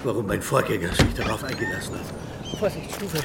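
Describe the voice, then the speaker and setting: An actor playing a talkative small-town mayor who rambles and chuckles while showing a visitor the view. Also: male voice, lowish voice, very animated, fairly quick, creaky, heavy background noise. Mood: proud. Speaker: local official guiding a visitor.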